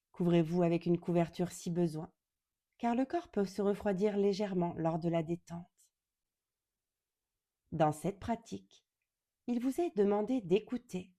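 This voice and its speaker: Slow, very mellow woman guiding meditation. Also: medium pitch. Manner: calm, gentle, soothing, deliberate with long pauses. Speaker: yoga nidra guide.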